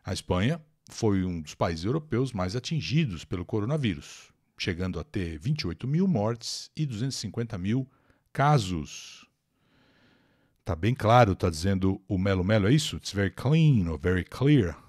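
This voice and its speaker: A man's voice: fairly low pitch, big pitch swings, moderate pace, darkish tone. A man with a Brazilian accent teaching English in a live online lesson, reading a text aloud, translating it and explaining pronunciation while chatting with viewers. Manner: chatty, addresses viewers directly.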